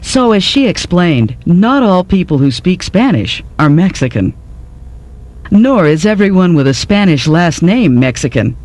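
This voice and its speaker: A man's voice: sits high, big pitch swings, unhurried, darkish tone. A man giving scripted educational narration in the role of a lecturer.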